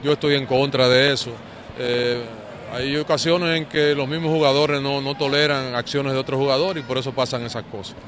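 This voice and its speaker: A man with a Dominican accent, a baseball manager answering post-game questions in a measured, hesitant way. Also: medium pitch, little pitch movement, a crowd in the background. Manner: measured, hesitant with many fillers. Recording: noisy outdoor field recording.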